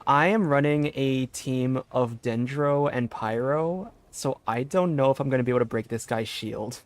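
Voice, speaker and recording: A man's voice: medium pitch, normal speed. A man streaming a game, commenting casually in a giggly, rambling, self-deprecating way into a headset.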